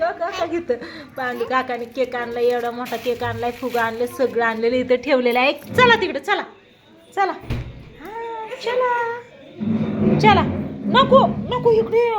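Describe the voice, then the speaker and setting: A woman's voice: high voice, expressive, unhurried, pauses often, background noise. A woman vlogger chatting casually with her family at home, teasing and asking one question after another. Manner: teasing, talkative, asks many questions. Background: people talking nearby.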